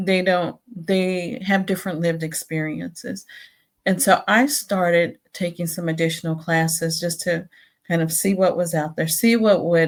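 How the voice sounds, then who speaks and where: A woman with an American accent uses an ordinary speaking voice at a fairly low pitch. She keeps a moderate pace and fairly even intonation. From Texas. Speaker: anthropologist and folklorist. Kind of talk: interview.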